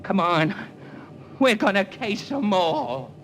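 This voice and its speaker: A brash Hollywood agent. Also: male voice, high-pitched, takes it slowly, exaggerated voice. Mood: frantic. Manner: slangy, excitable. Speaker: talent agent. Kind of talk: 1940s radio acting. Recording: old radio drama with music.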